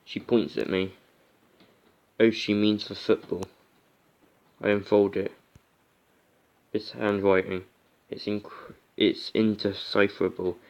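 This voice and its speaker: A man's voice: fairly low pitch, level tone, takes it slowly, long pauses, darkish tone, lo-fi sound. A man hosting a let's play, chatting casually and reading a visual novel aloud. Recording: music behind the voice. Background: music.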